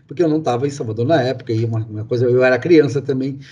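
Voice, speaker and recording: A man's voice: medium pitch, racing, a little mellow, husky, lo-fi sound. A man hosting an interview, telling local history in a loose storytelling way. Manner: storytelling, many fillers and restarts. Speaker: host. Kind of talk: conversational interview.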